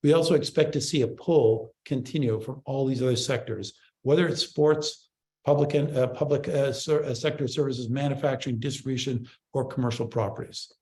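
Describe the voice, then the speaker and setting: Mellow-voiced man presenting as company chief. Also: mid-range voice, brisk. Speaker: chief executive. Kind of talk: business presentation on an earnings call.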